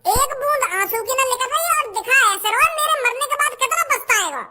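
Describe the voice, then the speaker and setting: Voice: extremely high pitch, animated, a little fast, sharp tone, exaggerated voice. A performer voicing a cranky old man in a cartoon who has been sentenced to hang, scolding in rustic village speech. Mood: grumbling.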